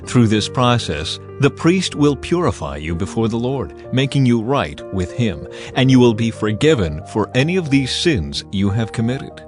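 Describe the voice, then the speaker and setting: A man narrating scripture as a dramatized audio reading, with a solemn, measured and emphatic manner. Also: medium pitch, very animated. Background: background music.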